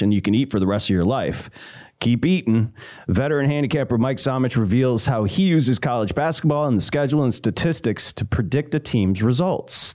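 A man hosting a sports betting radio show, chatty and telling stories with quick asides. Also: mid-range voice, a little mellow.

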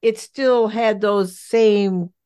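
A woman's voice: mid-range voice, steady tone, drawn-out words, warm tone, clean tone, no room sound. A woman with an American accent hosting a casual interview, feeling her way through questions and rephrasing them as she goes. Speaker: podcast host.

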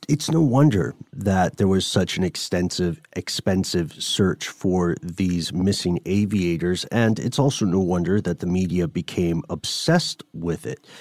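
A man's voice: low voice, dark tone, dry recording, studio quality. A man hosting a podcast, moving between conversational explaining and ad reads. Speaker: podcast host.

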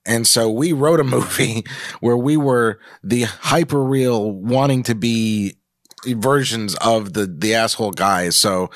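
A man's voice: mid-range voice, slow, no room sound, studio quality. A man co-hosting a podcast in casual, rambling chat, swearing freely and poking fun at himself. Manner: rambling, profane, self-mocking. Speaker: podcast co-host.

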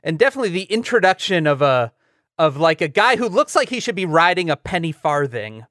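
A man co-hosting a casual comedy chat with wry, deadpan musings. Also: on the high side, fairly quick, dry recording, studio quality. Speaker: podcast co-host.

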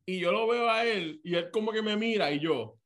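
A man's voice: high-pitched, normal speed. A man telling a story in casual, profane chat and acting out other people's lines. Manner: animated and profane, acts out voices.

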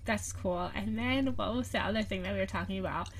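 A woman's voice: mid-range voice, fairly quick, background noise. A young woman hosting a podcast, chatting casually and giggling often, with plenty of fillers. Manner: giggly, bubbly, lots of fillers. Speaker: podcast host. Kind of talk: casual chat. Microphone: video call recording.

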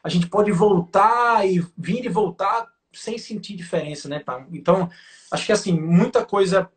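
A man's voice: high-pitched, moderate pace. A man chatting casually as co-host, with colloquial slang fillers. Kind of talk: casual chat.

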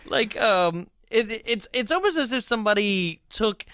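A man's voice: high-pitched, lively intonation, unhurried, a bit bright, clear, resonant tone, dry recording, studio quality. A man chatting casually about a movie, laughing often and trailing off mid-thought.

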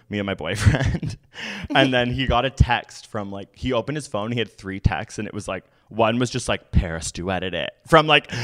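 A young Canadian man in casual chat as a podcast guest, telling stories in an animated way and laughing often. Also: mid-range voice.

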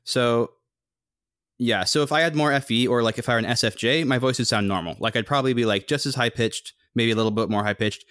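A young man co-hosting a podcast, rambling casually with a slightly monotone, humming voice. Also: fast, no room sound, studio quality. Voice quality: somewhat monotone, humming low resonance. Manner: rambling, thinks aloud with many fillers. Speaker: podcast co-host. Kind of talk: casual chat.

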